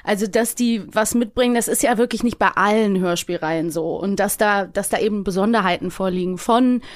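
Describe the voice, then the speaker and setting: A woman's voice: medium pitch, brisk, no room sound. Woman chatting in a dry-sounding room. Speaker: podcast guest. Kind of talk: casual podcast discussion.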